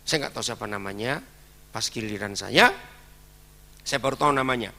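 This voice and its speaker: A man's voice: medium pitch, brisk, gravelly, bright, forceful tone. A man preaching a sermon with an Indonesian accent, telling a story and acting out the dialogue in it.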